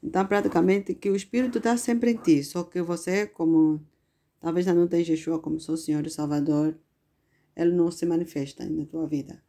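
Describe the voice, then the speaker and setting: Woman, informal sermon, earnest and chatty, lowish pitch, mellow tone. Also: steady tone, brisk. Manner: conversational, earnest, addresses listeners as "amado". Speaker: preacher.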